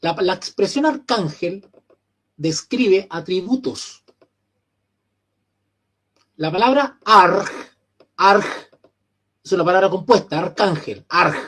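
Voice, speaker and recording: A Chilean man teaching an online theology lecture, often repeating phrases, clearing his throat and putting questions to his students. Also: sits high, lively intonation, takes it slowly, long pauses, fairly bright tone. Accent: Chilean Spanish.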